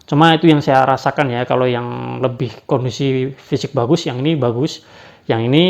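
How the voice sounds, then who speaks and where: A man giving a casual spoken product review, hesitant, with many fillers and tag questions. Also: medium pitch. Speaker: badminton racket reviewer. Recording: dull lo-fi sound.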